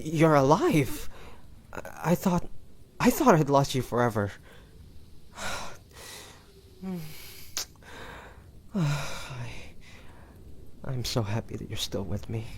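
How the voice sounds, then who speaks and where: A man playing a tender, devoted hunter turned immortal in an intimate audio roleplay, speaking haltingly and emotionally to a lover. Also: mid-range voice, a little mellow. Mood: overjoyed relief. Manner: halting, emotional, breathy sighs and whispers.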